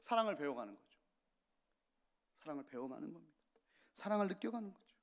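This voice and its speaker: A male pastor preaching a sermon, telling stories with lively acted-out lines of parents and children. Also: on the high side, a little fast, creaky. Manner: animated storytelling, acting out parents and children.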